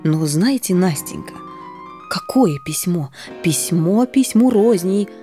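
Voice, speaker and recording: A woman voicing a shy, earnest young man who gently tries to comfort and persuade. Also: fairly low pitch, lively intonation, slow, faint music behind. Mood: coaxing. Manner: timid, coaxing, earnest. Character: timid young man, dreamy and eager to help. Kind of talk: audiobook reading.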